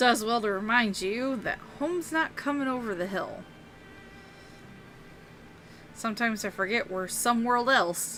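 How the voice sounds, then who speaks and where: A woman drawls in a put-on character voice with a Southern US accent, her pitch fairly high, at a moderate pace. She leaves long, frequent pauses while music plays in the background. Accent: Southern American. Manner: drawling.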